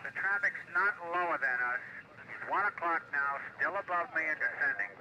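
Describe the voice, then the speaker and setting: Pilot over very noisy radio. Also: male voice, a little high, moderate pace. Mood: measured, puzzled. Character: composed male airline pilot reporting strange traffic. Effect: aircraft radio. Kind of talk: naturalistic film acting, terse cockpit radio reports. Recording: very noisy crackling aircraft radio transmission.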